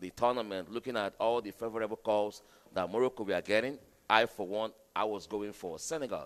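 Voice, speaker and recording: A man speaks with a Nigerian accent. His pitch variation is ordinary. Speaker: football journalist. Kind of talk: radio interview. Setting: brew pub. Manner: fast; passionate.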